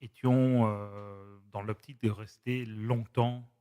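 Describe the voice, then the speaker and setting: A man in his forties, a Spanish speaker, telling his story as a podcast guest in a measured, reflective way. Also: fairly low pitch, fairly even intonation, dark tone, clean tone. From Switzerland. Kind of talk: casual conversation.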